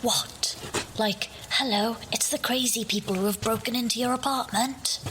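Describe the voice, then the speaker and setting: A woman's voice: fairly high pitch, normal speed, a bit bright, slight background noise, natural voice. An actress playing a jittery, sarcastic woman sneaking about as a reluctant intruder in an audio drama. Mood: jittery, hushed.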